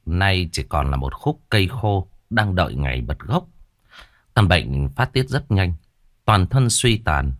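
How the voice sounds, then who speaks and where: A man narrating a scripted horror story with a dramatic, expressive reading. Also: sits low, dry recording, studio quality.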